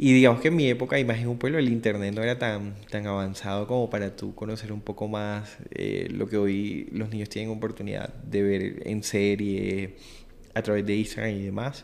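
A man in a plain, everyday voice, fairly low in pitch, moderate in pace, with fairly even intonation. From Colombian Caribbean coast, small town. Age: 20s. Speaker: advertising agency owner and writer. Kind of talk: personal testimony in interview.

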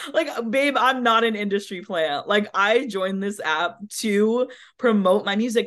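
Speaking at a fairly slow pace, a woman with an American accent uses a fairly high pitch and ordinary pitch variation. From New Jersey. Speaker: recording artist. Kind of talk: casual interview chat. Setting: call.

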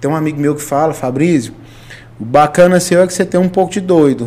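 A man speaking at a fairly quick pace, his pitch fairly high, with noticeable background noise. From Caldas Novas, Goiás, Brazil. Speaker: construction entrepreneur. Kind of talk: interview conversation. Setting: live-streamed podcast.

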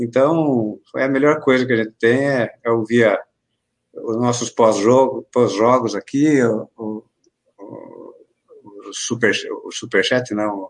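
Fairly even intonation and medium pitch mark a man's speech, delivered at a very slow pace. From São Paulo state interior (Piedade). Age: 50s. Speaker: football fan, show supporter. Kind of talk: casual chat.

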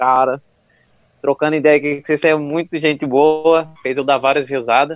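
A man with fairly high pitch and an interior São Paulo accent talks at a fairly slow pace in a monotone, flat intonation over a quiet background. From Pindamonhangaba, interior of São Paulo state, Brazil. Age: 20s. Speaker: rapper. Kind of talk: casual interview chat.

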